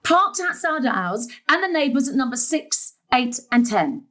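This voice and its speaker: A woman's voice: high voice, sing-song, a little slow, a bit bright, exaggerated voice. An actress playing a long-suffering middle-aged daughter and mother in an audio drama, emphatic and sarcastic. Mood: exasperated. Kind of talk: stage-style audio drama acting.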